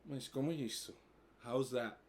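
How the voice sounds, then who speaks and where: A man from New York, a native English speaker, mostly neutral American accent, talking casually in halting learner Portuguese and plain English. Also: medium pitch, darkish tone. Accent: mild New York, mostly neutral American. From United States (New York). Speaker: vlogger. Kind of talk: casual bilingual vlog explaining.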